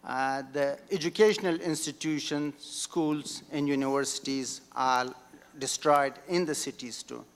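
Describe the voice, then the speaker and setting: Middle-aged male speaker, Afghan accent, slow and halting, clear tone, reverberant hall. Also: mid-range voice, fairly even intonation. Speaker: nonprofit founder speaking at an event. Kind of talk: public speech, factual account.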